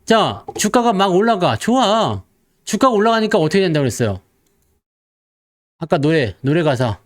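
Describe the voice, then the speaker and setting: This man's voice sits high and is very animated, at a normal speed. His stock market commentary is lighthearted and playful, full of jokes with viewers and impressions of investors.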